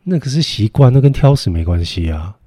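Mellow, animated Taiwanese-accented man, mildly exasperated. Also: mid-range voice, fairly quick, husky, no room sound, clean studio sound. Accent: Taiwanese Mandarin. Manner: reluctant, exasperated, contrarian. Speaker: podcast co-host. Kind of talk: casual banter.

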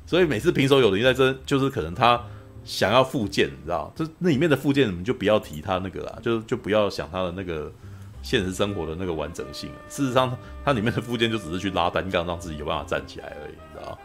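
A man's voice: deep voice, lively intonation, fast, faint music behind. A man, hosting a podcast in casual chat, rambling and laughing often, tagging "you know" onto his sentences. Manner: rambling, constant "you know" tag questions, frequent laughter. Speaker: podcast host reviewing a film.

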